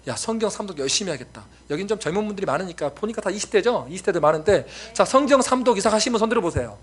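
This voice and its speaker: A man in his forties, a missionary preacher giving a sermon, telling stories with lively acted-out voices. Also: high voice, racing, husky. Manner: animated storytelling, acts out voices.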